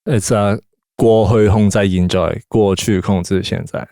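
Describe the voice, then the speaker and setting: A young man from Hong Kong, a musician chatting in a studio interview, talking in a relaxed, halting way with many fillers. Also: on the low side, creaky, no room sound. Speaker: musician guest. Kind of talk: casual interview chat.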